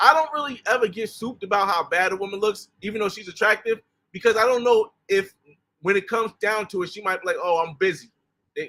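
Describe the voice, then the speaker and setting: The voice is raised and projected, with a bright, sharp tone at a very fast pace. Its loudness swings widely. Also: man. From US Northeast, New Jersey. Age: 30s. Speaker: travel vlogger. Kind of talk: live stream chat. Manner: casual slangy.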